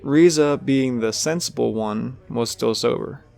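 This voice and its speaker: A man's voice: mid-range voice, measured pace, vocal fry, darkish tone. A man giving scripted third-person narration for an audio drama.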